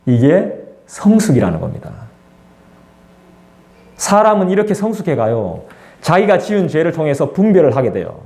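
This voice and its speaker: A man's voice: a little high, huge pitch swings, normal speed, long pauses, dark tone. A man preaching a sermon as pastor, in a conversational way that acts out the voices of people he quotes. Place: church sanctuary. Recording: echoey church room.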